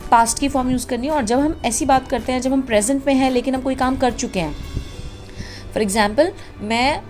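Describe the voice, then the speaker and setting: A woman with an Indian accent teaching English pronunciation, switching between Hindi and English and repeating words slowly to correct them. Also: a little high, darkish tone. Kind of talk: slow classroom-style pronunciation lesson mixing Hindi and English.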